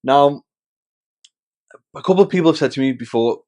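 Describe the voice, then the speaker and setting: A man in his thirties from the Wirral, England, hosts a hobby channel and chats casually to camera with a Scouse twang in his accent. His voice sits fairly high, a little mellow, at a normal speed. He comes across friendly, with plenty of fillers and restarts.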